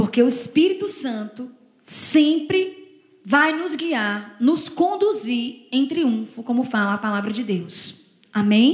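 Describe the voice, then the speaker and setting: A woman speaks at a very slow pace. Her high pitch swings very widely. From Rio Grande do Norte, Brazil (Natal). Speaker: preacher. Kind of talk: sermon.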